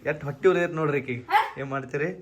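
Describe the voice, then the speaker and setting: A man's voice: on the high side, steady tone, racing, heavy background noise. A man with a North Karnataka accent chatting casually and informally to viewers as a vlogger, dropping in English phrases. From Karnataka, India. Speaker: YouTube vlogger. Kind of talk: casual vlog chat to viewers.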